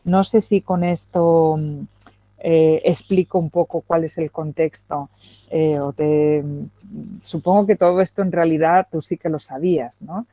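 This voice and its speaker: A woman's voice: low voice, steady tone, a little slow, mellow, no room sound. A middle-aged woman giving an academic lecture, talking hesitantly with many fillers and checking questions. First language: Spanish. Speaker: guest lecturer. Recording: dull lo-fi video call audio.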